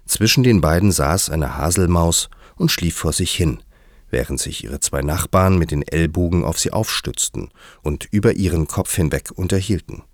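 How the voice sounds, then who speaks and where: A man narrating a children's story in an expressive storytelling manner. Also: deep voice, moderate pace, dry recording, studio quality. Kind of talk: audiobook reading.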